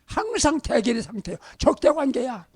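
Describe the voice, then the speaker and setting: Animated Korean pastor preaching. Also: male voice, extremely high pitch, normal speed, husky, no echo, clean studio sound. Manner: emphatic preaching, swings between loud exhortation and hushed near-whispers. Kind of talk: sermon.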